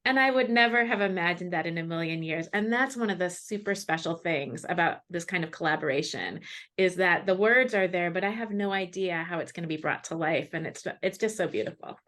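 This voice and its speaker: A woman's voice: lowish voice, brisk, a bit bright. A woman speaking as a guest author in a casual video call interview, with an enthusiastic, emphatic way of talking. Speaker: children's book author and guest.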